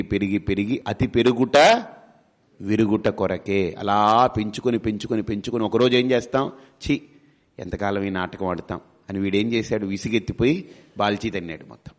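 A man's voice: fairly low pitch, fairly bright tone. A man giving a spiritual discourse, telling stories animatedly, acting out family members and asking rhetorical questions that he answers himself. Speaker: spiritual teacher.

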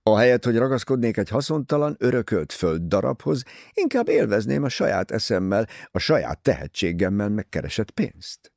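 A man voicing a teasing, easygoing young English gentleman talking with his mother in an audiobook. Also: lowish voice, sing-song, vocal fry, no echo, studio quality. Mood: wry teasing. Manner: wry, teasing.

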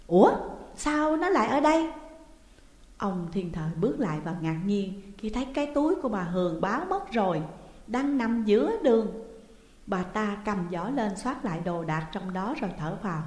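A woman's voice: medium pitch, expressive, moderate pace, a little mellow. Woman storyteller in an echoey room. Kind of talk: audio story narration. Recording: roomy echo with long reverb.

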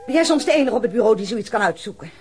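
An actress playing an aggrieved, reproachful wife of a police detective in a radio drama, complaining bitterly. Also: female voice, fairly high pitch, animated, rapid-fire, lightly acted. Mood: indignant, reproachful.

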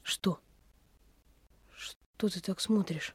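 A woman playing a gentle, trusting small boy, a doctor's son, in a Soviet radio play. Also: mid-range voice, drawn-out words, breathy edge, no room sound, in a whisper, full character voice. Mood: reassuring.

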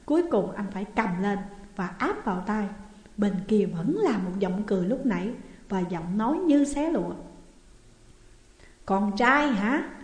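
A woman narrating a horror story in a measured, suspenseful way, recorded in an echoey room. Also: medium pitch, mellow. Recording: echoey room with long reverb.

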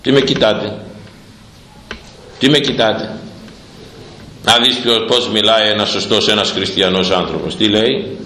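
A man preaching a sermon on Proverbs, impassioned, firing rhetorical questions and rising to shouts. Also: lowish voice, steady tone, long pauses, reverberant, rough recording.

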